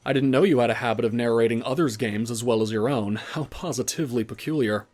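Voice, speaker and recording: Smug male loan shark, played by an actor, medium pitch, taunting, falsely courteous audio drama villain. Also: quick pace, a little mellow, natural voice. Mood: smug, needling. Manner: mockingly formal, condescending, theatrically coy.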